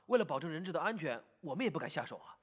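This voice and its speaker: A man's voice: on the high side, big pitch swings, rapid-fire, breathy edge. An actor playing an eager young police sidekick in a Chinese period TV drama, flustered and apologetic as he talks.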